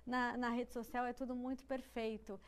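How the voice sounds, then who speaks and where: A woman with a Brazilian Portuguese accent hosts a talk show with a high, clear voice. She responds warmly to her guest's points and leads the talk onward with follow-up remarks. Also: level tone, moderate pace. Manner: engaged, affirming, asks follow-ups. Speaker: host.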